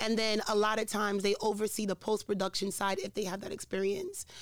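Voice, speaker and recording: A woman with a New York accent, in a very clean recording with a silent background. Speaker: actress and producer. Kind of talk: casual podcast interview. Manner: animated.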